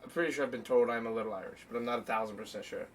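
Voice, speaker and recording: A fast-talking man co-hosting a casual livestream podcast, teasing his friend and laughing easily. He sounds a little distant from the microphone. There is a faint noise bed under his voice. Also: mid-range voice. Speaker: podcast co-host.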